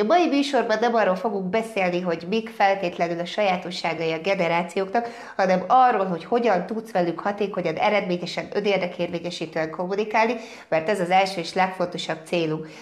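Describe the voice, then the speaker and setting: The speaker moves at a fairly quick pace with hardly any pauses, using an animated tone and ordinary pitch variation against noticeable background noise. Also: woman, medium pitch for a woman. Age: 40s. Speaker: self-development trainer. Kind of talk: live stream talk. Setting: live Facebook broadcast.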